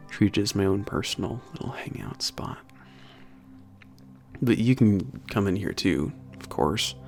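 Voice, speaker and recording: A man playing a laid-back, slightly gruff young werewolf trainer in a casual ASMR roleplay, talking in a halting, informal mumble that trails off. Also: on the low side. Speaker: workplace trainer. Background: soft background music.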